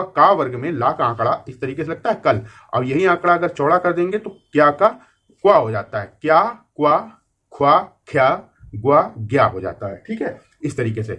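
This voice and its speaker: Husky man teaching shorthand step by step. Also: mid-range voice, a bit bright. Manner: explains step by step, often saying "ठीक है". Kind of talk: online class explanation.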